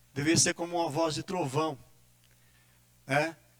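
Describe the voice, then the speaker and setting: A man with a high voice speaks against noticeable background noise. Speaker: pastor. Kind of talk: sermon. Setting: church.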